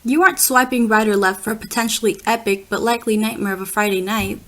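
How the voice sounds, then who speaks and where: A woman's voice: medium pitch, steady tone, quick pace, natural voice. A woman playing a grandstanding, evasive and combative Latina senator in a political satire, with emphatic oratorical delivery. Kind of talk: staged reader's theater political satire.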